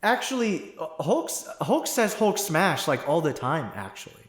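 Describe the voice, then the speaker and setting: A man's voice: fairly high pitch, big pitch swings, a little slow, husky. A man hosting a comedic, profanity-laced movie recap in a casual, jokey way. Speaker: host.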